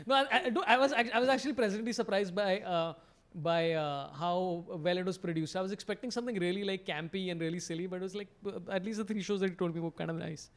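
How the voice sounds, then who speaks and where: A man hosting a casual comedy podcast, joking and rambling with quick asides. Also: high-pitched. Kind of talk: casual chat.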